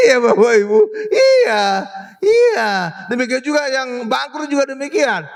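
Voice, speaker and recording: Animated high-voiced preacher. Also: male voice, gravelly. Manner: animated, exclaiming and asking the congregation for agreement. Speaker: pastor. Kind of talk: sermon.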